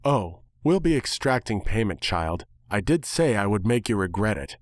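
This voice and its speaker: A man's voice: on the low side, big pitch swings, moderate pace, dry recording, clean studio sound. A man voicing a haughty, impatient female talking bird with formal, sarcastic, contemptuous delivery in a story reading.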